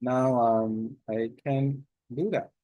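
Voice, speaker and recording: Halting man, slow and hesitant. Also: medium pitch, fairly even intonation, no room sound, lo-fi sound. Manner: halting, many fillers and restarts. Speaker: language learner. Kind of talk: casual self-recorded talk.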